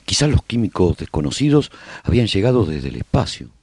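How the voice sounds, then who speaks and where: A low male voice with sweeping, highly animated intonation , an actor as a haunted survivor chronicling the end of the world. The delivery is theatrical and emphatic, like a reflective storyteller in a radio serial. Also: a little fast, vocal fry, husky, no echo, exaggerated voice. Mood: grave, explanatory. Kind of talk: dramatised first-person scripted narration for radio serial.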